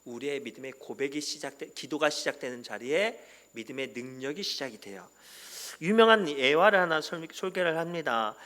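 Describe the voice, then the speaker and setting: Male pastor, animated sermon, bright forceful tone, slightly high pitch. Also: normal speed. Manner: animated, acts out quoted voices and sometimes shouts.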